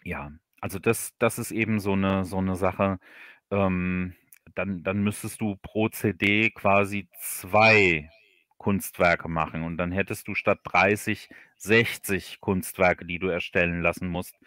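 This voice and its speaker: Guy from hesse germany, lowish voice, dry sound, chatting casually, keeps repeating words while he thinks. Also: fairly even intonation, a little slow, a bit bright, no echo. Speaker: guest author of audio dramas. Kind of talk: casual livestream interview talk.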